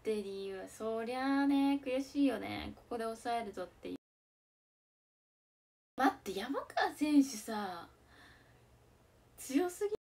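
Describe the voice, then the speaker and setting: A young woman giving casual live-stream commentary on a baseball game. She reacts out loud with excitement and often drops into a whisper. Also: fairly high pitch, measured pace, creaky, pauses often.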